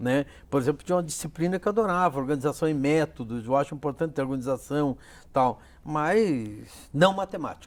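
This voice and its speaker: At a fairly quick pace, an unremarkable speaking voice talks with ordinary pitch variation in a very clean recording over a silent background. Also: man, fairly high pitch for a man. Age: 60s. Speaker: journalism professor. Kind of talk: interview.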